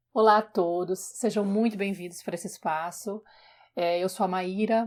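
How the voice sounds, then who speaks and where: With an unremarkable speaking voice, a woman talks at a moderate pace and a medium pitch with fairly even intonation, in a very clean recording with a silent background. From São Paulo, Brazil. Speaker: podcast host, journalist. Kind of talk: podcast self-introduction.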